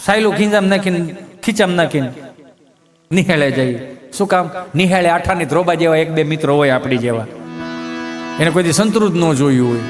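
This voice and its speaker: A man's voice: fairly high pitch, a little fast, pauses often, big-room sound. A middle-aged man with a Kathiyawadi Gujarati accent telling mocking, preachy folk comedy stories on stage. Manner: storytelling, mocking, preachy asides. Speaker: stand-up comedian. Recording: live show with music behind.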